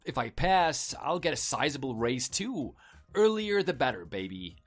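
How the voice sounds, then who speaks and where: A man performs a smooth-talking husband in a scripted story drama. He is casual, placating and persuasive, with an animated, mid-pitched delivery. Faint music plays behind him. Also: normal speed. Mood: insistent, placating. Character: evasive, smooth-talking husband coaxing his wife.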